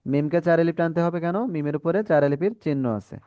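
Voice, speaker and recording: A man with a Bangladeshi accent teaching Quran reading in an online class, patiently correcting students and modelling drawn-out syllables. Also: on the high side, no echo, muffled recording.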